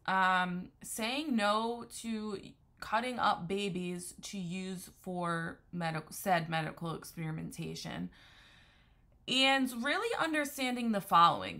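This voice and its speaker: A woman's voice: medium pitch, gravelly, pushed and bright. A woman from the New Haven, Connecticut area giving an unscripted religious monologue as a Christian commentator, earnest and discursive, often restarting her sentences. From New Haven, Connecticut area, USA.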